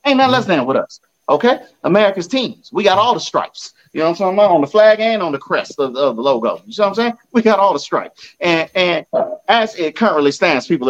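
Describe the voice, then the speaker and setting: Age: adult. Sex: man. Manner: boastful, swaggering trash talk. Pitch: slightly high, very lively. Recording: lo-fi phone video. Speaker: sports fan vlogger. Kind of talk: casual football trash talk.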